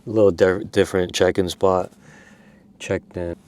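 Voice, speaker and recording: A man coach talking casually to his viewers in a vlog, going through his athletes' check-ins and sometimes dropping into quieter asides. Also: sits low, level tone, normal speed, smooth. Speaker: bodybuilding coach and vlogger.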